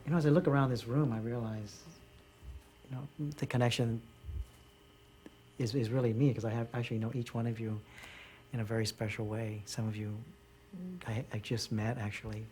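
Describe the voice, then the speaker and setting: Man, group leader, earnest, measured delivery, restarts sentences. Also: mid-range voice, little pitch movement, a little mellow, slight background noise. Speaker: group facilitator. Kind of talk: group discussion in a documentary.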